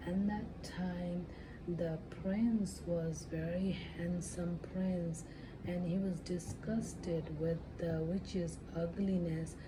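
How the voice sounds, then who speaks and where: A woman doing soft-spoken ASMR storytelling, retelling a fairy tale in a gentle, halting, hushed voice that at times slips into a whisper. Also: sits low. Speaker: ASMR storyteller, channel host. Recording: clear steady background noise.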